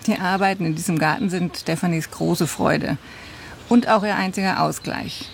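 A woman reporter narrating a radio feature in a measured storytelling manner, recorded in a studio. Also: on the low side, gravelly, slight background noise.

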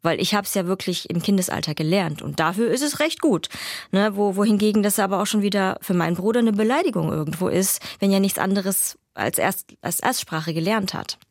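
A woman's voice: medium pitch, a little fast, no echo, studio quality. A young adult woman from Vietnam, an actress and author, answering interview questions thoughtfully and restarting phrases as she searches for words.

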